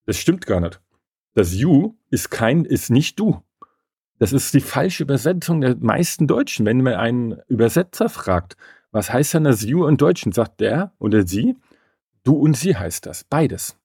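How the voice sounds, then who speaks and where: A man with a dark, mellow voice and a husky edge, talking as an interview guest about manners. He speaks emphatically and opinionatedly, often wandering into side remarks. The recording is close and dry. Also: medium pitch, dry recording. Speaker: guest, etiquette expert. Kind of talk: conversational interview.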